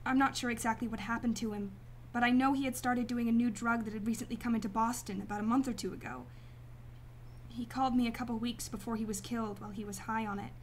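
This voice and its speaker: A woman's voice: on the high side, steady tone, fast, a little hiss or hum, natural voice, low-quality recording. A woman playing a guarded, determined client in a sci-fi radio drama, speaking earnestly, firmly and formally. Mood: grave. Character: determined, guarded female client seeking her brother's killer. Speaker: actress in a radio play.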